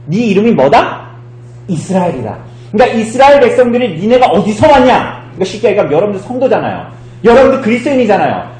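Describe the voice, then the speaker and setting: A man's voice: sits high, roomy sound, rough recording. A man leading a church Bible study, asking his listeners questions and acting out the quotes he reads. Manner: lively, asks the congregation questions and acts out quotes. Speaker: pastor. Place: church hall.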